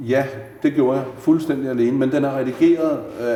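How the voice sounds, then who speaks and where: A man at a moderate pace with fairly even intonation, over noticeable background noise. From Denmark, Gladsaxe (Copenhagen area). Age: 60s. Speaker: author and public speaker. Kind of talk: casual chat.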